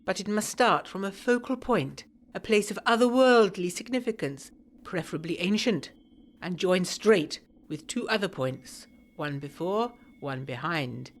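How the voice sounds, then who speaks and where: Woman doing a spooky commanding lady clairvoyant, measured and portentous, swoopy pitch, gothic drama. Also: lively intonation. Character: commanding, mysterious female clairvoyant giving occult instructions. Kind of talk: quoted character in a gothic audio drama.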